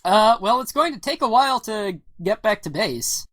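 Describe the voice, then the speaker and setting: A woman's voice: medium pitch, animated, normal speed, a bit bright, dry recording. A woman narrating as game master of a tabletop game, casual and often laughing, with many "all right"s and "uh"s.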